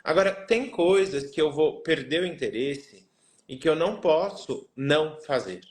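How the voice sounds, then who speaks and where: Um homem com sotaque brasileiro responde a uma pergunta como treinador, explicando passo a passo com calma. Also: male voice, a little high. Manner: measured, explains step by step, often adds "né?". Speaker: trainer answering a question. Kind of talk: explanatory coaching talk.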